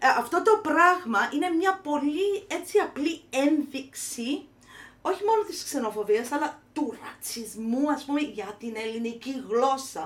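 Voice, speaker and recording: This woman speaks with a non-native accent at a high pitch and a fairly slow pace. Her pitch swings very widely. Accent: non-native accent in Greek. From grew up abroad, Cypriot father and Bulgarian mother. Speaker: academic and visual artist. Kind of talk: casual chat. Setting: studio.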